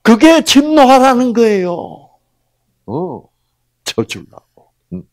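A man giving a religious lecture to an audience, animated, asking rhetorical questions and acting out the people in his stories. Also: extremely high pitch, slow pace, dry recording. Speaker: health lecturer.

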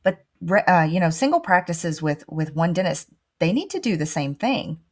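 A woman hosting an interview over a video call from a home office, asking measured questions. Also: fairly low pitch, big pitch swings. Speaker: host. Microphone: webcam on a video call.

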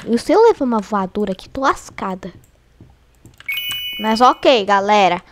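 A young Brazilian woman giving casual let's-play commentary, excitable and scared, chatting to her viewers. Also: medium pitch, moderate pace, slight background noise. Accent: Brazilian Portuguese. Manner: excitable, frightened exclamations and chatty asides to viewers. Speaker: gaming channel host.

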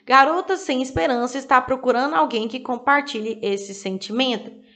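A woman's voice: high-pitched, normal speed, fairly bright tone. A woman teaching English through song lyrics. She explains the lines word by word and repeats each phrase with its translation. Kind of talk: song-lyric language lesson.

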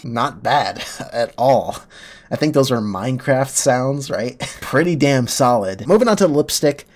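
A man's voice: medium pitch, animated, unhurried. A young man hosting a gaming video, sniffly from a cold, reacting casually with laughs and rambling asides. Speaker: gaming channel host. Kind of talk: casual game commentary. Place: home room, indoors. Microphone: headset mic.

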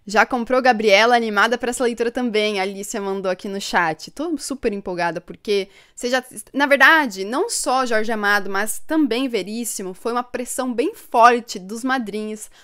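Upbeat young woman, smooth voice. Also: on the high side, normal speed, hardly any pauses, fairly bright tone. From São Paulo state, Brazil. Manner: chatty and upbeat, laughs often, reads viewer comments aloud. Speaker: book channel host. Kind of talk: live stream chat with viewers. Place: home room with bookshelves, indoors. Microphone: desk microphone in front.

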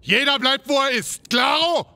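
An actor playing a brutal, impatient gangster in an audio drama, barking crude threats. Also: male voice, very high-pitched, animated, moderate pace, bright, forceful tone, shouting, heavily acted. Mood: furious, impatient.

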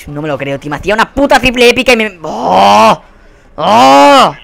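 Foul-mouthed Spanish gamer yelling at his match. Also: sits high, very animated, very fast. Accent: Spain Spanish. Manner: profane, exasperated ranting with sudden yelled outbursts. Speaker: gaming channel host. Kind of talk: live gameplay commentary.

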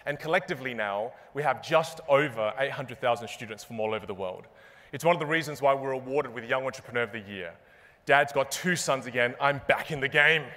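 A young man giving a comedic keynote on a large conference stage, animated and self-mocking, landing punchline after punchline. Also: medium pitch. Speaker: keynote speaker and magician. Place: large conference stage before a live audience. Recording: long reverb of a big hall.

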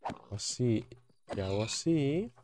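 A man's voice: mid-range voice, very animated, measured pace, a little mellow, a little hiss or hum. Chatty young man gaming. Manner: chatty, repeats words, jokey asides. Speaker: gaming YouTuber. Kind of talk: casual gameplay commentary.

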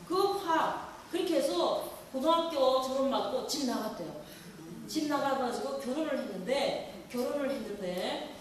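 A Catholic nun lecturing to an audience, telling a story in an animated way and acting out quoted lines. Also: female voice, high-pitched. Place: lecture hall. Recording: echoey hall from far off.

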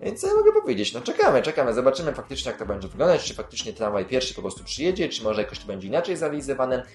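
Man of middle pitch, loose rambling host delivery, fillers and restarts, dry sarcasm, faint music underneath. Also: big pitch swings, rapid-fire. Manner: rambling, many filler sounds and self-corrections. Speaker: YouTube host covering city transit news. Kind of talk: casual news roundup.

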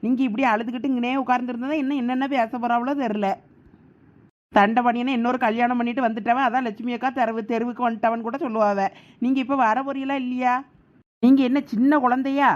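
Thoothukudi accent woman, bit high voice, coaxing village sketch talk, dull lo-fi sound. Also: steady tone, fast. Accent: Thoothukudi Tamil. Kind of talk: comedy village sketch acting.

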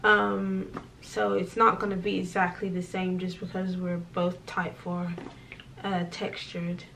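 A woman's voice: lowish voice, little pitch movement, measured pace, gravelly, fairly bright tone, recorded from a distance, slight background noise. A young woman vlogging in casual chat, talking with many fillers and acted quotes, in a small indoor room. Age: young adult.

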